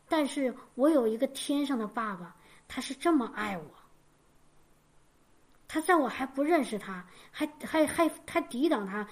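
Woman preacher, high register; fervent sermon delivery with hammered repetitions and stumbling restarts. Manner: fervent, repeats key phrases for emphasis; frequent stammered restarts. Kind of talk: sermon with personal testimony.

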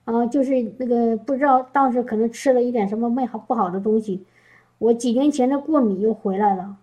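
A woman's voice: fairly high pitch, fairly quick, warm tone, rough recording. A woman giving an emotional spoken testimony to a congregation, often repeating herself and asking listeners questions. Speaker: church speaker. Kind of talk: testimony sermon.

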